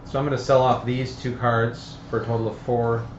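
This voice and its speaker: A man casually explains rules while playing a tabletop game, thinking aloud in a halting way. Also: mid-range voice, flat delivery. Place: room, live stream of a group game. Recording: roomy, dull, lo-fi with faint noise.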